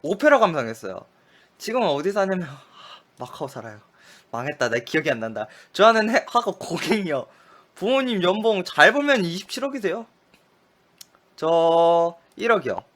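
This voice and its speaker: A gaming streamer with a high, fairly bright, very animated voice plays a memory quiz game aloud at a moderate pace. He rattles off short clipped answers, with frustrated outbursts and muttered curses at his own mistakes.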